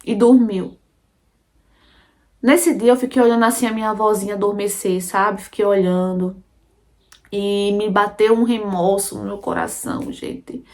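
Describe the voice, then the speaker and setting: A woman's voice: mid-range voice, steady tone, unhurried, a little mellow. A Brazilian woman narrating a dramatic first-person story, emotional and intense, often turning to her listeners directly. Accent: Brazilian Portuguese.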